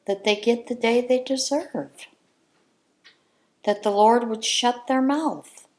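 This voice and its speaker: A woman's voice: on the high side, takes it slowly, darkish tone. A woman hosting a crafting channel, sharing her views in a casual chat from home in an earnest, heartfelt way.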